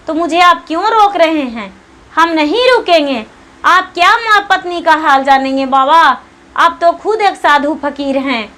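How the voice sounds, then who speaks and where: A woman's voice: extremely high pitch, fairly bright tone. A woman voicing a stubborn young husband who complains defiantly in a devotional tale.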